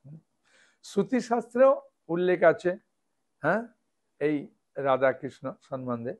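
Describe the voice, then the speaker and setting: Man, devotional lecture, raised pitch, explains step by step, checks in with listeners. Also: big pitch swings, moderate pace. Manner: explains step by step, often asks listeners "understood?" and "yes?". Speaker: monk preacher.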